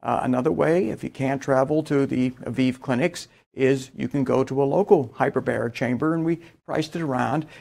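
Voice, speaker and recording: A man's voice: mid-range voice, vocal fry, darkish tone. A man giving a conference keynote lecture, explaining research with enthusiasm. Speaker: keynote speaker. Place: indoors, in front of a slide backdrop.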